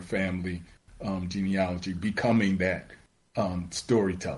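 This is an unremarkable speaking voice from a man with a fairly low pitch. He talks at a moderate pace. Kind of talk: radio talk discussion. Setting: phone call.

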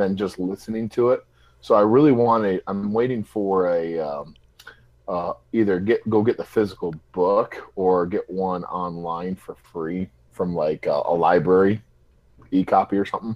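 The man uses a plain, everyday voice with a fairly low pitch. He keeps a moderate pace and ordinary pitch variation. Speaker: podcast co-host. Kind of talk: casual banter.

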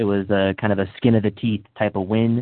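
A man with a plain, everyday voice speaks at a fairly low pitch and moderate pace. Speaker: rap battle participant. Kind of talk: casual chat. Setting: remote call-in.

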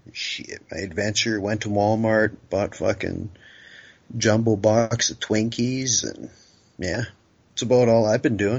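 In a normal speaking voice, a man with fairly low pitch talks with fairly even intonation but big swings in loudness. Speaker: podcast co-host. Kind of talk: casual chat. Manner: crude, joking, profane.

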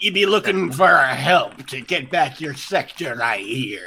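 A man uses a put-on character voice pitched fairly high. He delivers it at a fairly slow pace. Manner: pirate-like.

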